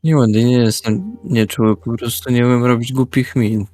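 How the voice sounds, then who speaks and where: A man's voice: mid-range voice, normal speed, darkish tone, dry recording. A man playing a tabletop role-playing game, improvising casually in and out of character in a blunt, sweary way. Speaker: tabletop role-play player. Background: faint music.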